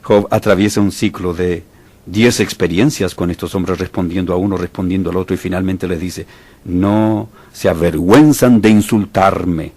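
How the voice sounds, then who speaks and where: A man preaching a sermon in an emphatic way, with sudden rises in pitch and loudness. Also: level tone, a little fast.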